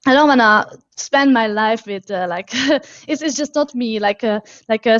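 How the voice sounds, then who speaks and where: Chatty Hungarian-born woman, high and dry. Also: no room sound, highs cut off. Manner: hesitant, many fillers and restarts, laughs often. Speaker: guest. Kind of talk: casual interview chat.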